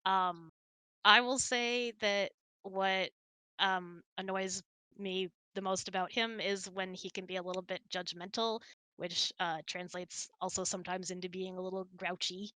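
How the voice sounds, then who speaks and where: A woman's voice: medium pitch, fairly even intonation, measured pace, bright, forceful tone, no echo. A woman hosting a casual hangout, telling stories and answering questions in a chatty, rambling, giggly way. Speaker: host of an online hangout.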